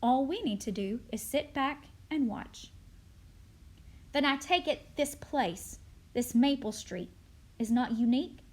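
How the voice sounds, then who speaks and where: A woman voicing a calculating alien conqueror in a drama script, explaining in a measured, matter-of-fact way. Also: high voice, lively intonation, darkish tone, full character voice. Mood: cool, calculating. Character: calm, calculating alien conqueror, coolly contemptuous.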